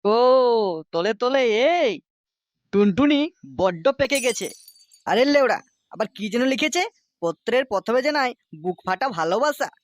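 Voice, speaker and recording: A man's voice: very high-pitched, lively intonation, moderate pace, pauses often, no echo, studio quality. A man voicing a suspicious, grumpy village father in a comedy cartoon, grumbling and accusing coarsely. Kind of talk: Bengali comedy cartoon dubbing.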